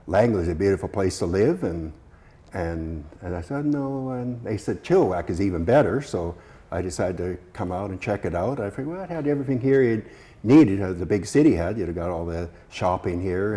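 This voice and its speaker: A man's voice: sits low, mellow. A man, a volunteer camera operator, answering interview questions in a studio, plain and modest with many hesitant fillers. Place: community TV studio.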